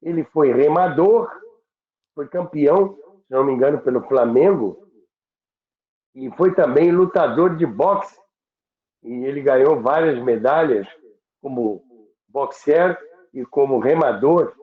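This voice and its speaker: An older man reminisces in a slow, deliberate, halting way. He speaks conversationally, like a presenter recounting history. The sound is thin and phone-like, with a roomy echo. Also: mid-range voice. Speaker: radio history presenter, former radio worker. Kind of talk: conversational storytelling about radio history.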